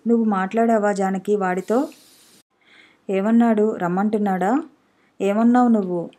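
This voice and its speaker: Brief: a woman playing a shouting, hot-tempered young brother in an audiobook, warm low-bright tone, pitched a bit higher in rage. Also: steady tone, moderate pace, close to an everyday voice. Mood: angry. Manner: shouting, scornful insults. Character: angry protective older brother, young man, hot-tempered.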